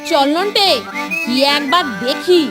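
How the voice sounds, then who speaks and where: A woman voicing a small, reluctant, timid schoolboy in a children's cartoon, speaking in a plaintive, expressive way. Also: very high voice, a little slow, music in the background. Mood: grumbling. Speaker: cartoon voice actor. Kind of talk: Bengali children's cartoon dialogue.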